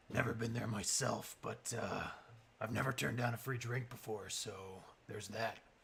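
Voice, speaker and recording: A man's put-on character voice, raspy and medium-pitched, at a moderate pace with long, frequent pauses. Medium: actual play. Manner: laconic.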